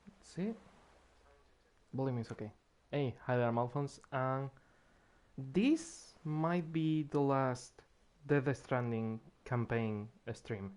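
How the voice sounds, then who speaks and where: A man's voice: medium pitch, lively intonation, slow pace, a little mellow. A tired man streaming a game, losing his voice and rambling as he plays, with faint music behind him. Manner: rambling, restarts when moved. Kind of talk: casual gameplay commentary.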